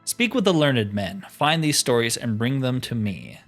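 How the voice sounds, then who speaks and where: A man voicing a wary tribal wise woman from a fantasy game, with formal, measured diction. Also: mid-range voice, sing-song, faint music behind. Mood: solemn.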